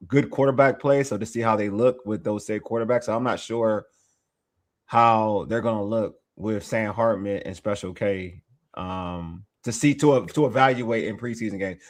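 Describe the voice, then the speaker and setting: Excitable man talking football, AAVE. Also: fairly low pitch. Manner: excitable, laughs often, rambling restarts. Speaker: podcast host. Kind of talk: casual sports chat.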